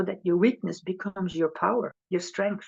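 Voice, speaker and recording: A woman is speaking. She has a Dutch accent. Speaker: regression therapist and trainer. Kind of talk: panel talk. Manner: halting at times, searching for words.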